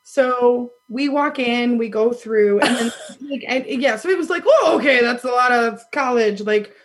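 Husky woman telling a lively story. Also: on the high side, measured pace. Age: 30s. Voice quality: loud voice. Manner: animated, laughs often, acts out quoted lines. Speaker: podcast guest telling a dating story. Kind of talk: casual storytelling chat.

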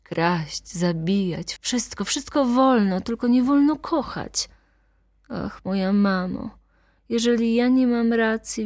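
A woman's voice: on the high side, a little mellow, dry recording, voice pushed up. Woman voicing a young wife, hard and defiant, dry close voice, audiobook scene. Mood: bitter.

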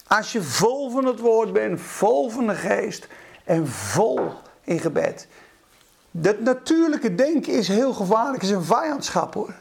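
A man preaching a charismatic sermon in an impassioned way, acting out quotes and breaking into sudden shouts. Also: sits high, creaky.

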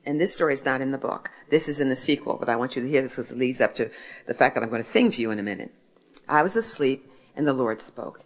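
With a deep, expressive voice and a quick pace, a Philadelphia woman in her sixties, an author and speaker, gives a faith testimony to an audience. She tells stories, asking and answering her own questions, and the recording is rough.

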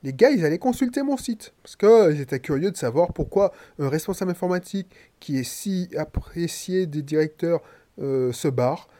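A man's voice: on the high side, lively intonation, normal speed, warm tone. Blunt man with a head cold. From Martinique. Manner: blunt, slangy, talks straight to the listener. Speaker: podcaster and coach. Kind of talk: casual monologue.

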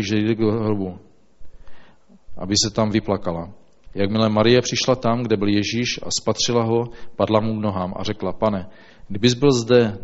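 A man reading scripture aloud and then preaching, in a slow, measured way with small restarts. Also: fairly low pitch. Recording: dull lo-fi recording.

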